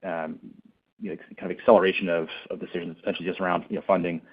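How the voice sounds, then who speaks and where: A man's voice: sits low, little pitch movement, racing, husky. A man working as a financial analyst, politely asking questions on an earnings call. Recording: phone-like narrow band call.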